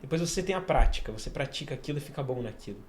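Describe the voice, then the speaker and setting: A Brazilian man hosts a podcast and talks quickly. He eagerly walks through an idea one stage at a time, and his voice sits at an average pitch for a man. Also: animated, a little hiss or hum. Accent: Brazilian Portuguese. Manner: eager, explains ideas step by step. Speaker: podcast host. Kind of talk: casual podcast chat.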